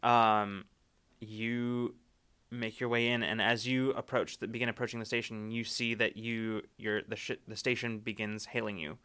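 A man's voice: on the low side, flat delivery, moderate pace, bright, forceful tone, clean tone. A man narrating as game master of a tabletop game, rambling with fillers and restarts.

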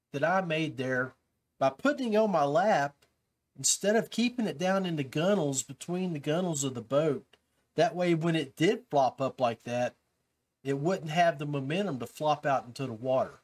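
A man hosts a podcast in a relaxed, rambling way, with fillers and restarts. His voice sits a little high for a man. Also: measured pace. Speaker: podcast host. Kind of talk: casual podcast talk.

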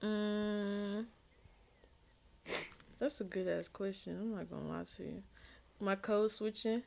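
A woman's voice: mid-range voice, steady tone, takes it slowly, creaky, background noise. A woman with an African American English accent chatting casually as an interview guest, frank, slangy and swearing freely. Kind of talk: casual chat.

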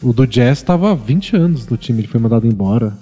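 Guy with a mellow dark voice reading listener mail on a podcast, kinda reverby, music under it. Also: medium pitch, brisk, breathy edge. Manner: reads letters aloud, relaxed and chatty. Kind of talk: casual podcast chat.

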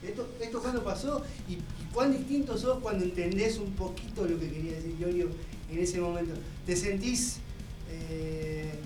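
Man, Argentine accent, high voice, animated storytelling, roomy echo, off-mic, music behind. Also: moderate pace. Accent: Argentine Spanish. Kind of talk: casual radio chat. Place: radio studio.

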